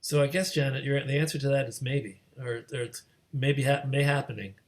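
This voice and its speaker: A man with a medium-pitched voice moderates an online question session. He talks casually, hesitating and meandering as he works through questions over a video call. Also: steady tone, a little fast. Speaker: host, moderator.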